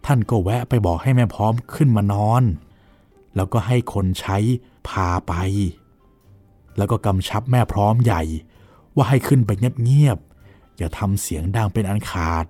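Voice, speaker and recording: A man's voice: on the low side, moderate pace, no room sound, faint music behind. A man voicing a polite, dutiful young nephew, recounting events deferentially in a dramatized novel reading. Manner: deferential, recounting events with lively acted quotes. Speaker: reader voicing a character.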